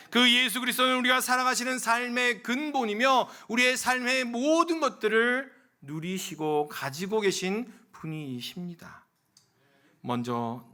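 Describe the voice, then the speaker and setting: A male pastor delivers a Sunday sermon in a church. His voice sits high for a man and rings bright and forceful. He tells his stories with animation, acting out the voices he quotes and swinging between raised calls and hushed asides. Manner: animated storytelling, acts out quoted voices, swings from loud to soft. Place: church sanctuary.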